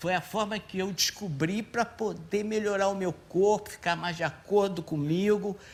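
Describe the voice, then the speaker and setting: At a fairly slow pace, a man with a high pitch speaks with fairly even intonation. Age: 60s. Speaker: author. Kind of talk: talk show interview.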